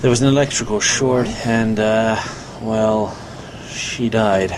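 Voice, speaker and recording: An actor playing a somber, apologetic police detective in a radio drama. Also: male voice, lowish voice, fairly even intonation, slow pace, background noise.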